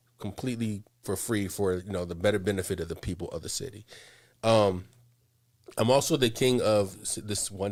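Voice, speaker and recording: A plain, everyday voice from a man, fairly low-pitched and fairly quick, with ordinary pitch variation, on a very clean recording with a silent background. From California. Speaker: photographer. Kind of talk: casual chat.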